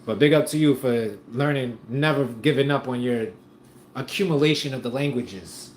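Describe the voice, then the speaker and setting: A man's voice: medium pitch, normal speed. A man hosting a casual livestream from home, reading viewer comments in a laid-back, slangy way and chuckling often. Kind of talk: casual live chat. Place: room at home. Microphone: streaming setup. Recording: echoey room, faint noise.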